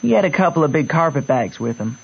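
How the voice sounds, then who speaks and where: High-voiced, folksy country boy. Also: very animated, fast talker, vocal fry, slightly rough, full character voice. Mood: dry, observant. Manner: folksy ungrammatical drawl, matter-of-fact. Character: plain-spoken, wry country boy telling his adventures. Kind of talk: old-time radio drama narration. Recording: muffled old radio recording.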